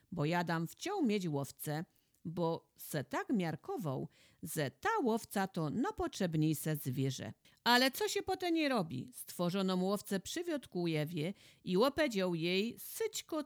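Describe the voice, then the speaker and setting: Lively highlander woman telling a folk tale. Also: no echo, clean studio sound. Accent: Polish highlander (Podhale). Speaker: storyteller. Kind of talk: folk tale told in dialect.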